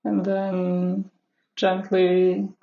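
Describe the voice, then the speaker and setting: A woman leading a guided meditation in a measured, instructional way, with long pauses between phrases. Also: fairly low pitch, monotone, vocal fry, narrow, tinny audio. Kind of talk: guided meditation, live session.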